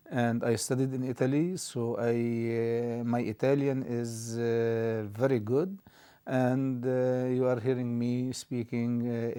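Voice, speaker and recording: A middle-aged man whose first language is Arabic, answering interview questions in English with many halting pauses. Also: medium pitch, dark tone, clean tone. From Israel. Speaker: interview guest, theology dean.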